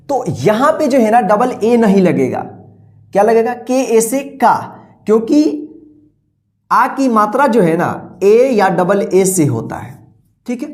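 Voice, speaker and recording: A woman with a fairly high, slightly mellow voice teaches an online reading lesson. She explains patiently, repeats herself, draws out and spells words, and often checks that the class is following.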